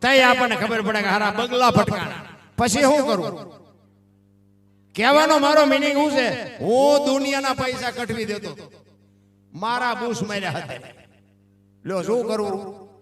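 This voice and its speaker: A man's voice: extremely high pitch, moderate pace, pauses often, a bit bright. A man with a Kathiyawadi accent giving a folksy devotional talk and telling a parable to a live gathering. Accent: Kathiyawadi Gujarati. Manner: folksy, calls listeners "bapu". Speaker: folk storyteller. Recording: echoey, distant stage mic.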